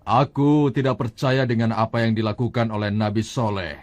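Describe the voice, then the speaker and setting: An actor playing a scheming, power-hungry tribal chief in a dubbed cartoon, self-assured. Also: male voice, fairly low pitch, steady tone, normal speed, darkish tone, no room sound, close to an everyday voice.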